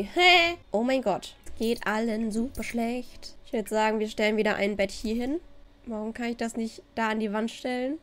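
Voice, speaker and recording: A woman giving casual let's-play commentary, chatty and exasperated, dropping English words into her talk. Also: fairly high pitch. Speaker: gaming YouTuber.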